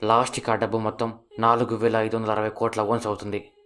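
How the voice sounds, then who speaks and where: Fast flat-voiced man with a Telugu accent. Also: fairly low pitch, clear, resonant tone, faint music behind. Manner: fast, flat, steady telling. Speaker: narrator explaining a series. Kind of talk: fast scripted plot narration.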